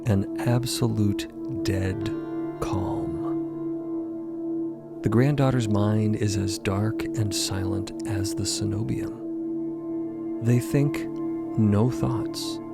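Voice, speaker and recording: A male narrator reads audio drama prose very slowly. His voice is slightly low with a gravelly fry, set over loud music. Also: steady tone.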